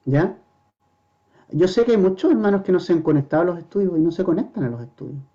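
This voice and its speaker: A man preaching a verse-by-verse sermon as pastor, earnestly asking the congregation rhetorical questions and slowing down to stress scripture quotes. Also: high voice, animated, mellow, highs cut off.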